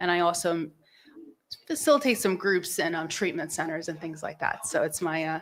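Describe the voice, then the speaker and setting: A woman with a New Jersey accent talks at a fairly quick pace. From US Northeast, New Jersey. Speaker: energy healer and recovery coach. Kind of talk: expo talk. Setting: stage with live audience. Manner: loud.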